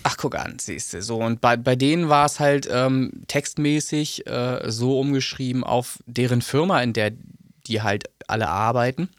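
A man's voice: mid-range voice, moderate pace, no echo, studio quality. A man co-hosting a casual podcast, talking with some hesitation and lots of fillers. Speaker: podcast co-host; sound engineer. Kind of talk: casual chat.

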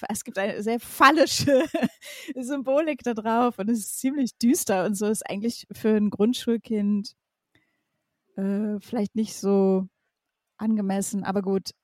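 A woman's voice: medium pitch, normal speed, darkish tone, no echo, clean studio sound, lightly acted. A woman musician guest in a casual interview, talking easily with frequent fillers and small laughs. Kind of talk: casual chat.

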